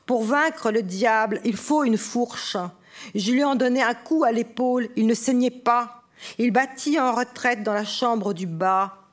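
A woman's voice: fairly high pitch, measured pace. A woman author reading her novel aloud at a festival reading, in an intense, dramatic first-person manner that also acts out the dialogue. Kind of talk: literary reading.

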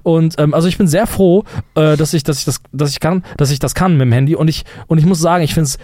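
Fast-talking man, casual podcast chat. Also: a little high, warm tone, dry recording, clean studio sound. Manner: rambling, emphatic, many fillers and restarts. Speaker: podcast co-host.

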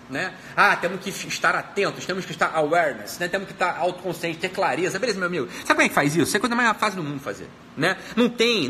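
A Brazilian man gives a motivational self-help talk in a high, bright voice. He talks fast and bluntly, swearing freely and repeating key phrases. A faint noise sits under his voice. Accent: Brazilian Portuguese. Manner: blunt and profane, emphatic repetition. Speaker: psychiatrist.

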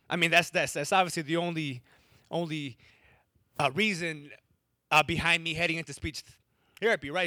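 A man's voice: on the high side, sharp tone, no echo, studio quality. Young man telling his story with a stutter. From Wisconsin. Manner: stutters, repeats words and breaks off syllables. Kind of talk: first-person storytelling to a live audience.

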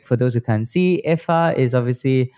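A man co-hosting a casual podcast, playful and rambling, firing off quick follow-up questions. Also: medium pitch, mellow. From Malaysia. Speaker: podcast co-host.

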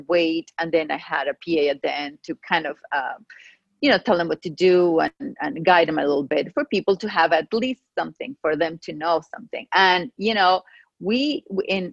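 Woman, Spanish native speaker, middle-aged, raspy and gravelly, dull dry call audio, animated restarts. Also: fairly low pitch, no echo. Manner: animated storytelling with frequent restarts. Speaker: clinical pharmacist guest. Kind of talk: casual conversational interview. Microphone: remote call microphone.

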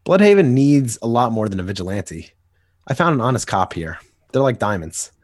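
A man's voice: mid-range voice, very animated, normal speed, a little mellow, no echo. A man voicing a wry young adult male hero in a dramatic comic reading, with teasing, dry banter.

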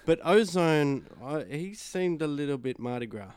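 Male podcast host, crude banter, medium-pitched voice. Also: lively intonation, moderate pace, darkish tone. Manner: joking, crude, banters and teases. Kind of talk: casual podcast chat.

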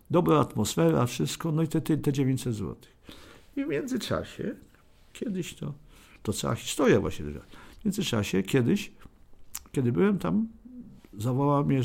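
A man's voice: medium pitch, vocal fry, darkish tone, husky. An older man telling the story of his working life in a rambling oral-history style, often adding a questioning aside at the end of a sentence and acting out what people said. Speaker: interviewee recounting his life.

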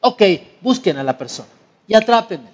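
Preacher doing a stern tribal chief, firm and solemn, high voice for a man. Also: very animated, normal speed, a little mellow. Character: stern but loving island tribal chief, adult man.

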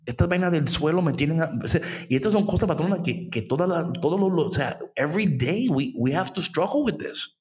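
A man in his late forties sharing about faith in a casual conversation, animated and slipping into English phrases. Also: a little high, brisk, few pauses. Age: late 40s. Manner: animated, switches into English, acts out prayers.

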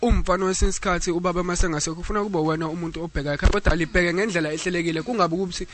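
A man's voice: high voice, fairly even intonation, rapid-fire, a little hiss or hum. A man with a Zulu South African accent co-hosting a radio phone-in. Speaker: radio co-presenter.

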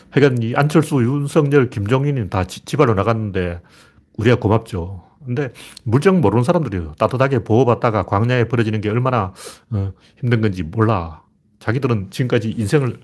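A man's voice: on the low side, slightly rough. A middle-aged man hosting a political commentary livestream, talking bluntly and scornfully and getting heated. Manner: blunt, heated and scornful, rising to near-shouting. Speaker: livestream host.

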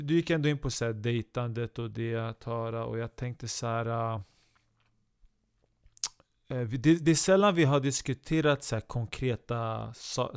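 A man hosts a comedy podcast chat, rambling and stopping short to restart his sentences. His voice is clear and smooth at an ordinary pitch. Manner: rambling, halting, full of restarts. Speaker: host.

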